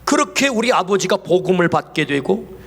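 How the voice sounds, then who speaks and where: A man preaching a sermon as pastor, asking the congregation questions and moving between quiet and raised passages. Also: high-pitched, very animated, moderate pace, creaky, slightly rough. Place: church sanctuary. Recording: church sanctuary with long reverb.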